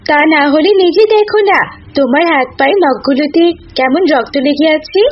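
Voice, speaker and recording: A woman voicing a sharp, outspoken female deer in a cartoon, talking in a pointed, questioning way. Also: high-pitched, close to an everyday voice. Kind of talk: cartoon voice acting. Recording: muffled audio with faint noise.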